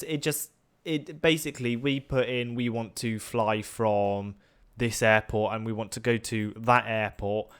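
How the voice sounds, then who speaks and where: A man's voice: fairly low pitch, a bit bright, smooth. A young man co-hosting a flight-sim tutorial, explaining things step by step with some hesitation and fillers.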